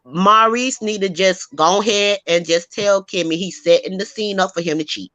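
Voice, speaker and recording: A woman hosts a casual gossip chat in a sassy, emphatic way, with quick bursts of laughter between her points. Her voice sits at a medium pitch and sounds close and dry, with no room around it. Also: fairly bright tone, no echo. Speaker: host.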